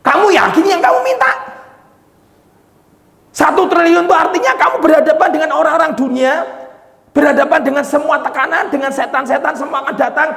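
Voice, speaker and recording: A male pastor preaching a sermon dramatically, acting out quoted voices and shouting for emphasis. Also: very high-pitched, fairly quick, gravelly. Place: church hall. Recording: echoey, reverberant hall.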